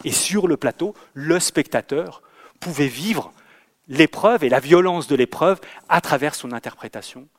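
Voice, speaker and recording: A fairly high-voiced man gives a talk about staging, telling stories from rehearsals with lively acted-out moments. He often hesitates and repeats words as he searches for the next phrase. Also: a little slow. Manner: lively storyteller who acts out scenes. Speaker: theatre director. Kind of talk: lecture with anecdotes.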